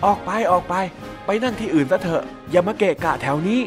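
A man voicing a cranky anteater who yells at a clumsy visitor to go away. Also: high voice, expressive, brisk. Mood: angry, shooing. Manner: shouting, scolding. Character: cranky anteater, easily annoyed. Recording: music underneath.

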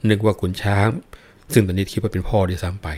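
A man retelling a classic folk tale in a lively spoken manner, adding dramatic emphasis as he goes. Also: fairly low pitch, fast. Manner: breaks into chanted verse recitation. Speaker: storyteller.

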